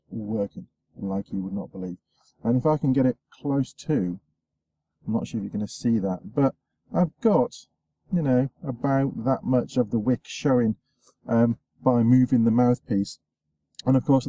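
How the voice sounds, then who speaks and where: A man's voice: mid-range voice, vocal fry, warm tone, slight background noise, rough recording. Chatty man vlogging from his car. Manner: rambling, chatty, lots of ums and uhs. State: sore throat. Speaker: show host. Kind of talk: casual vlog chat. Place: inside a parked car. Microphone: camera facing him at close range.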